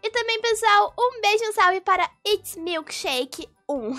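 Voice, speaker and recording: Young woman from Brazil, casual gameplay commentary, high-pitched, bright, bursts of repeated words. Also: animated, unhurried, faint music behind. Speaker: gaming YouTuber.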